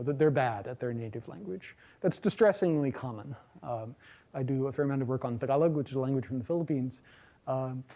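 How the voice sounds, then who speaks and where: A middle-aged man lectures to students in a large hall, rambling comfortably through examples with plenty of fillers. His voice sits a touch high yet sounds mellow and soft. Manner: relaxed, chatty, many fillers and asides. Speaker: linguistics lecturer. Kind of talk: university lecture.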